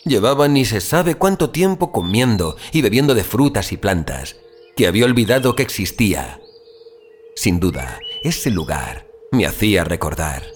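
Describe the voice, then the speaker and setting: A man's voice: fairly low pitch, very animated, normal speed, a little hiss or hum. A man playing an anguished, dazed amnesiac survivor in a first-person audio drama, with theatrical gasps and exclamations. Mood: somber, haunted.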